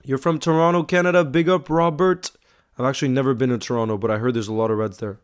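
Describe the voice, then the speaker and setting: A man's voice: medium pitch, steady tone, quick pace, clear, resonant tone. Hyped young man chatting with viewers. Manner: hyped, calls viewers bro, many you-knows. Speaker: livestream host reading fan chat. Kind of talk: casual watchalong chat.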